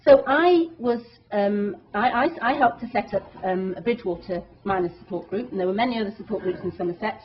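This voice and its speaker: A woman's voice: mid-range voice, fairly quick, few pauses, a little hiss or hum. A woman activist giving a public talk to an audience, speaking earnestly and emphatically, with many restarts. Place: meeting hall. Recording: dull lo-fi talk recording.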